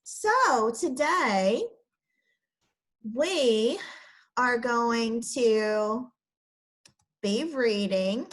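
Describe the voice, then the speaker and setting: A woman's voice: on the high side, fairly bright tone, rough recording. A woman teacher explaining a lesson step by step to children, then reading a picture book aloud.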